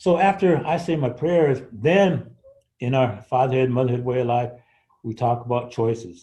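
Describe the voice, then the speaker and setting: With an American accent and a plain, everyday voice, a man speaks with lively intonation. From Nebraska. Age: 60s. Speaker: probation officer and trainer. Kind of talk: recorded talk. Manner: conversational, with many fillers and repetitions.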